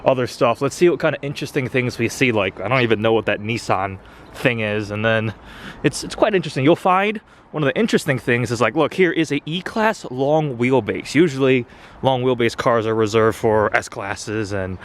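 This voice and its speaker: A young American man, a car vlogger, walks along city streets and through shops narrating a casual car-spotting vlog, chatty and pointing things out. His medium-pitched voice is expressive and moves at a normal speed. The handheld camera mic picks up slight background noise.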